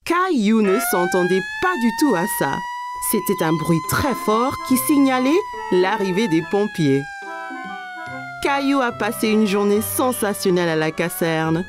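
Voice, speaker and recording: A woman narrating a French-dubbed children's cartoon like a simple, expressive story for small kids. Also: medium pitch, a little slow, over music, close to an everyday voice.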